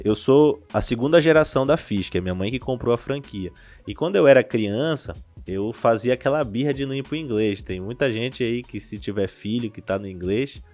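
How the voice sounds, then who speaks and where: A Brazilian man, a language school director, explaining things in a casual podcast interview, restarting his sentences often. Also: mid-range voice. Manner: animated explainer with frequent restarts.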